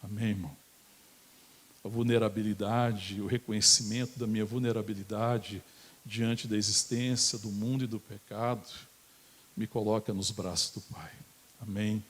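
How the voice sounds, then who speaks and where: A man with a Brazilian Portuguese accent preaching a sermon in a church, impassioned, building up to shouted pleas. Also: lowish voice, steady tone, moderate pace, husky. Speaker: pastor.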